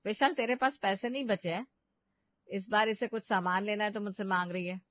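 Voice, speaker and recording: A woman's voice: mid-range voice, steady tone, a little fast, no echo, lightly acted. A woman playing a bossy, scolding mother-in-law. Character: sharp-tongued stingy older mother-in-law. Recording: dry, dull lo-fi sound.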